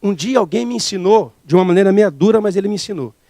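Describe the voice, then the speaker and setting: Man, pastor, sermon, emphatic rhetorical questions, high voice, dry close sound. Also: lively intonation, quick pace, mellow, dry recording.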